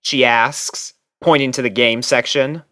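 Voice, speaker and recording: A man's voice: medium pitch, fairly even intonation, a little slow, bright, forceful tone, dry recording, studio quality. A man reading scripted first-person fiction aloud as a story narrator. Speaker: narrator and reader.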